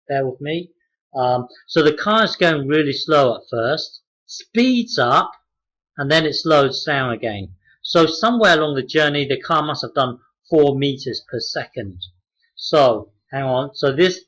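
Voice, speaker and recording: A man teaching a math example off the cuff, halting with many restarts and fillers as he works through it. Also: medium pitch, fairly bright tone, husky, low-quality recording. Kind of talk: unscripted whiteboard explanation.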